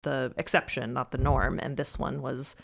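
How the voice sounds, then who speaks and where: Roundtable guest, medium pitch, considered and well-worded casual talk with dry wit. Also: little pitch movement, moderate pace, gravelly. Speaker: podcast creator, roundtable guest. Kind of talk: thoughtful casual discussion.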